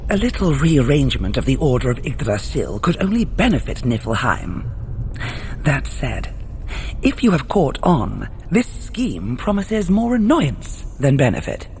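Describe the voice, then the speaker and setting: Imperious death realm ruler, sardonic and taunting, voice swoops around a lot, noisy ambience behind. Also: male voice, mid-range voice, big pitch swings, unhurried, darkish tone. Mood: haughty disdain. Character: haughty, mocking immortal ruler of the underworld. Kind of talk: scripted audio drama acting.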